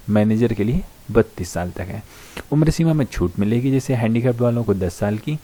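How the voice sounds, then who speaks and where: A man's voice: on the low side, warm tone. An Indian man giving an informal explainer to students, going point by point in a conversational way with frequent short check-in tags. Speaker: online educator explaining job vacancies to students. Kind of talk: informal explainer, talking through a notice point by point.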